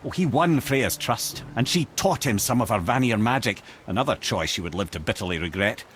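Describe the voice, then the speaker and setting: An actor voicing an eloquent, wry old Scottish sage, telling stories in a theatrical, measured way as a video game character. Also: male voice, on the low side, expressive, fairly bright tone, slight background noise. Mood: regretful, grave. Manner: theatrical, wordy, measured storytelling with wry asides. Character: wry, eloquent old male sage and former royal advisor, storyteller.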